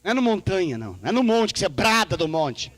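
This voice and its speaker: A male Brazilian pastor delivers an animated, playful sermon, acting out conversations in changing voices. His voice sits high and leaps through a wide, lively range. The sound is close and dry, with no room echo. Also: fast. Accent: Brazilian Portuguese. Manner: animated, acts out dialogues with God in shifting voices; playful, joking and laughing with the congregation. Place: church service.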